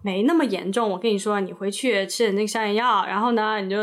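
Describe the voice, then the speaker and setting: A relaxed, dismissive male dentist brushing off a patient's nerves in an offhand tone, as a woman imitates him in her story. His voice rides above her usual pitch. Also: fast. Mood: nonchalant. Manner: casual, dismissive reassurance. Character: breezy offhand middle-aged male dentist.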